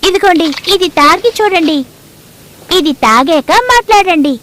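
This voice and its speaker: A woman voicing an eager, tender-hearted, outspoken little girl in an expressive cartoon dub. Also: very high voice, normal speed, background noise. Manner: earnest, expressive. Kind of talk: Telugu cartoon dubbing.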